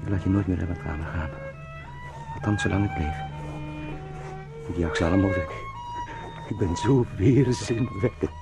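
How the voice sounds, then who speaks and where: A man's voice: deep voice, wildly swooping pitch, normal speed, vocal fry, pauses often, loud music behind the voice, full character voice. An actor playing an anguished, obsessive young man turned into a giant beetle, pleading and brooding in an intimate radio drama. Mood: obsessive, yearning.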